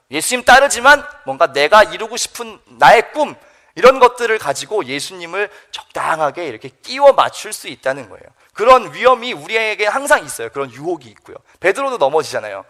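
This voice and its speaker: Lively male youth preacher. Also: high-pitched. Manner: animated storytelling, acts out characters. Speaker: youth pastor. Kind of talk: youth sermon. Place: church.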